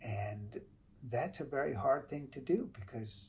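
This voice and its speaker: A somewhat breathy man in a New York accent. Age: 60s. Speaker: psychology professor. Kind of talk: casual interview conversation.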